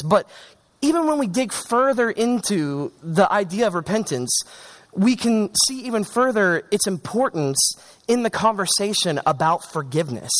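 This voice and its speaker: A young man preaching a sermon in an animated, conversational way, with chatty asides to the congregation. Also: high voice.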